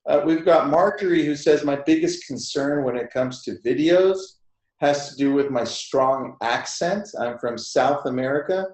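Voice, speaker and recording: A man's voice: fairly high pitch, moderate pace, darkish tone. A man hosting a casual group webinar chat in an informal, laid-back way. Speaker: host of a group discussion. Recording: echoey room.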